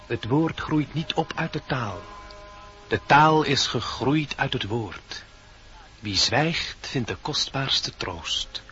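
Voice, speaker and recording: A man playing a grave sage in a radio play, intoning aphorisms in a solemn, measured way. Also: medium pitch, expressive, bright, forceful tone. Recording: dull, distant radio recording.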